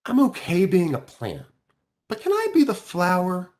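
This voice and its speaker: A sensitive, curious schoolgirl played by a man in a children's storybook. The speech is earnest and plaintive, with emphatic phrasing and lively swings in pitch. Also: normal speed.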